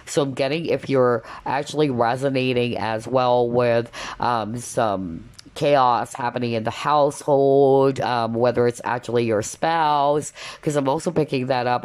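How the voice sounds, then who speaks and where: A woman's voice: rumbling low, a little mellow. A woman reading tarot cards in a casual, spiritual style, often checking in with little tags like okay and all right. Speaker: tarot card reader, host.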